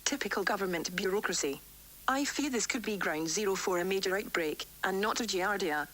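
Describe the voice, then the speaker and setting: A woman playing a worried, defiant doctor dictating formal, measured research logs for an analog horror tape series, recorded on vintage cassette. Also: mid-range voice, a bit bright, natural voice. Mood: grave, concerned. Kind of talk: analog horror tape log, scripted report.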